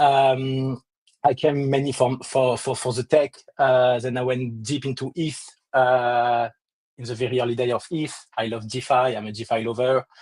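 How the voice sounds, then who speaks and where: Man at medium pitch with a strong French accent, monotone, flat intonation and a moderate pace. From France. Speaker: crypto project lead. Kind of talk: casual live audio chat. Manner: halting, many fillers.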